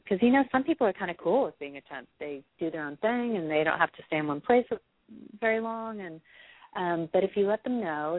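A hoarse woman with a cold, giving a psychic reading to a caller, hesitant with many ums before firm predictions. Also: low voice, no echo. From United States. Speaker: psychic reader. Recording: dry, phone-quality sound.

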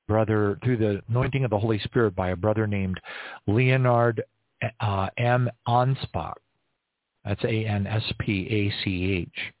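A man hosting an online prayer service, talking in a rambling, halting way with many fillers and restarts and frequent little bursts of praise. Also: lowish voice, no room sound. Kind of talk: casual unscripted church broadcast talk. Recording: tinny phone-like audio, soft music behind. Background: faint music.

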